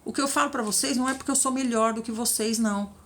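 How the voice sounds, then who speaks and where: Female preacher, lively and a bit high, acts out quoted voices. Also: fast talker. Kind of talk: devotional teaching.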